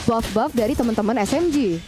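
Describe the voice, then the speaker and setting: High-voiced Indonesian woman esports caster. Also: expressive, brisk, over music. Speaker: esports co-commentator. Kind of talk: live esports commentary and analysis.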